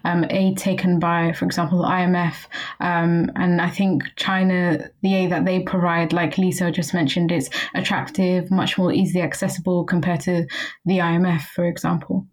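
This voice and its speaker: Brief: young London woman, lowish flat voice, panel guest. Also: moderate pace. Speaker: student society president.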